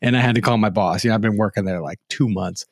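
Low-voiced man chatting on a podcast. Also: quick pace, slight background noise. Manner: relaxed storytelling with restarts and laughs. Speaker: podcast co-host. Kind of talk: casual chat.

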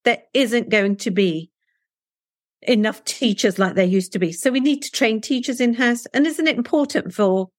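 A woman's voice: on the high side, normal speed, no room sound, studio quality. A woman whose first language is Punjabi, a guest talking earnestly in an interview and often closing points with tag questions. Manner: persuasive, asks rhetorical tag questions.

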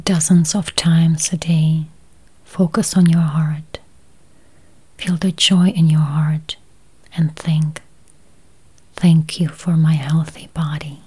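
A woman leading a guided meditation in a soft, breathy near-whisper, with calm, soothing, deliberate phrasing. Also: deep voice.

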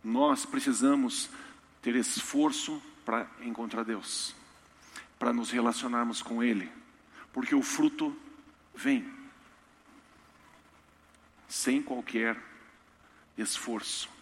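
A man preaching a sermon in a church, humorous and storytelling with lively asides. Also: medium pitch, slow, pauses often. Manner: storytelling, humorous, animated impressions. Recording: reverberant church hall.

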